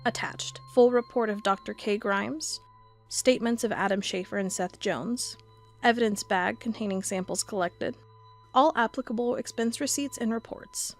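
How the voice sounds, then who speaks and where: A woman's voice: fairly high pitch, moderate pace, faint music behind, natural voice. A woman playing an investigator narrating a strange case in a scripted audio drama. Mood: measured, formal. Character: female investigator narrating a strange case, reading aloud reports.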